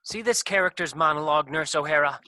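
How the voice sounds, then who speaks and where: Man playing a sharp-voiced, self-important comedy doctor. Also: fairly high pitch, fast, no echo. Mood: clinical. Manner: hesitant stammer turning to bossy, melodramatic gravity. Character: flustered, self-important male doctor who operates on scripts. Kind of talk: comedy sketch staged reading.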